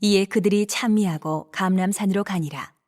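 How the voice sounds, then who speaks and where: For an audio Bible drama, a woman narrates scripture in a mid-range voice at normal speed. Her storytelling is steady and even, keeping the action flowing between the spoken lines.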